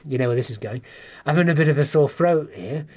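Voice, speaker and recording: A man with a Black Country accent, a stand-up comedian telling stories as a guest, lively and full of restarts and acted-out quotes. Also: on the high side, brisk, breathy edge. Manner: animated, restarts and acts out quotes. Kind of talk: casual storytelling chat. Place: pub.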